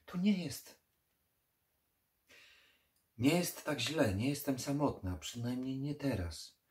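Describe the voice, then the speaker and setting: A man's voice: medium pitch, sing-song, takes it slowly, a little mellow, pitched above the performer's own voice. A man voicing the ghost of a sad mother who pleads and gives solemn warnings in an audiobook horror reading. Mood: pleading. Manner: pleading then solemn, foreboding.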